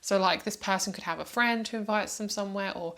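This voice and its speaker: A woman's voice: medium pitch, fast talker, a bit bright. A woman giving a casual, intuitive tarot reading, chatting in a meandering, reassuring way straight to the listener. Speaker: tarot card reader.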